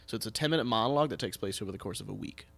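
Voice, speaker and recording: A man hosting a podcast in a casual, conversational way. His voice has a creaky, gravelly fry to it, and he talks loosely, as if chatting with a friend. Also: on the low side, lively intonation, racing, fairly bright tone. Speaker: podcast host.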